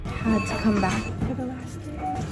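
A young woman in her twenties talks through a travel vlog in an easy, chatty way. Her voice is hoarse and worn, and she rambles on, slipping small laughs in between her phrases. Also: on the high side, unhurried, over loud music. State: hoarse, lost voice. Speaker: travel vlogger. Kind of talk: casual vlog voice-over and to-camera talk.

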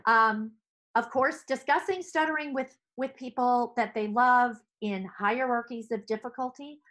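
A middle-aged woman, a speech therapist, presenting to fellow clinicians from her office, talking with lively hand gestures into a headset mic. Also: fairly high pitch, unhurried. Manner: animated, gesturing with both hands. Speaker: speech-language pathologist. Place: home office.

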